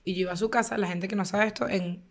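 A woman's voice: mid-range voice, fast. A woman with a Venezuelan accent co-hosting a podcast, telling stories in casual chat and acting out the quoted dialogue. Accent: Venezuelan Spanish. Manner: animated storyteller who acts out quoted dialogue. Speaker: podcast co-host.

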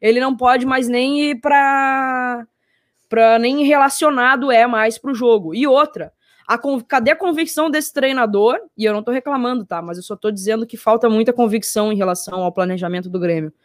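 Lady doing sports commentary, high voice, really dry sound, hammers her points. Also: moderate pace, dry recording. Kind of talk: opinionated sports debate.

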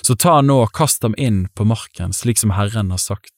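Stern, commanding ancient warrior king, read by a man for an audio Bible, low and dry. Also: no room sound.

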